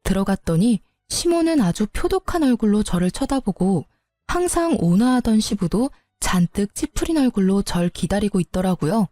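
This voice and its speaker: A woman's voice: medium pitch, animated, moderate pace, dark tone, no room sound. A woman telling a first-person story in a matter-of-fact, recounting manner.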